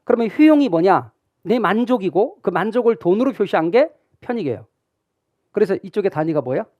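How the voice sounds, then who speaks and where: A man's voice: high voice, big pitch swings, brisk, a little mellow, no room sound, muffled recording. A middle-aged man giving a classroom lecture, asking his students questions and answering them himself. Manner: acts out imagined student questions. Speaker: real estate exam lecturer.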